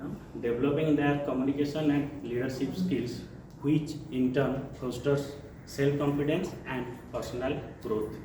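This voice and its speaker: Amid noticeable background noise and audible room echo, a man with an Odisha accent speaks at a moderate pace with a fairly high pitch and fairly even intonation. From India, Odisha. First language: Odia. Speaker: club meeting officer. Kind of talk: meeting opening remarks.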